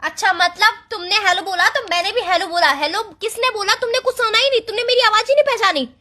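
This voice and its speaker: A woman's voice: very high voice, bright, forceful tone. A woman arguing angrily with her boyfriend over a phone call, scolding and accusing him. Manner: angry, scolding, rapid. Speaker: girlfriend on a call. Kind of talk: heated phone argument.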